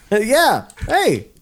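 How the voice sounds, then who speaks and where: A young man co-hosting a podcast in casual chat, swearing freely and laughing often. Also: high-pitched. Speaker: podcast co-host.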